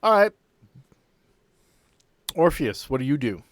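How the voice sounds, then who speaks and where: A man's voice: mid-range voice, very animated, slow pace. A man running a tabletop game as game master, improvising narration in a casual way.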